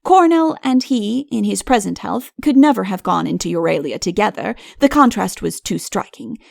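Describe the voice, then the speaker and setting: A woman's voice: mid-range voice, animated, normal speed, creaky, darkish tone, no room sound, studio quality. A woman reading a comic fairy tale as an audiobook narrator, in scripted storytelling style.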